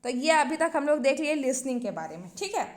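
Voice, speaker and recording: A woman with a high, light voice delivers an exam-prep lesson. She reads each definition from her notes and then explains it again in plain terms. She keeps checking in with her students as she goes. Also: big pitch swings, brisk. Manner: explains step by step, often checking in with the class. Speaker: teacher.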